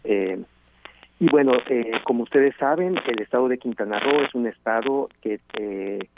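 A man's voice: medium pitch, creaky. Man on a phone call dropping out. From Mexico. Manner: hesitant, pausing with many fillers. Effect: call dropping out and cutting off mid-sentence. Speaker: guest. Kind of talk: remote radio interview. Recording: noisy tinny phone line.

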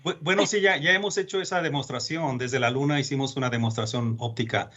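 A man's voice: mid-range voice, brisk, fairly bright tone, highs cut off. A Mexican man with a Mexican accent, a space agency executive, speaking earnestly as a guest in a radio interview. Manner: earnest, many fillers and restarts.

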